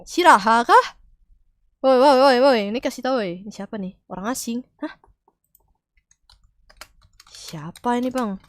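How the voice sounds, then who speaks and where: A woman game streamer with a cold and a slightly nasal, stuffy voice, chatting casually and calling out to teammates with loud exclamations and swearing. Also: a little high, unhurried, pauses often, no echo. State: has a cold. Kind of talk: casual gaming stream chat.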